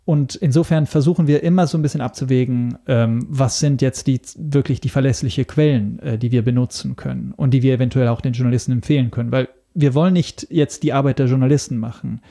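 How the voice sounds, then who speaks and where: A man from Italy with an Italian accent, explaining things as an interview guest in a measured, hesitant way, searching for words. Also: mid-range voice, fairly even intonation, gravelly, dark tone. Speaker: interview guest, media information expert.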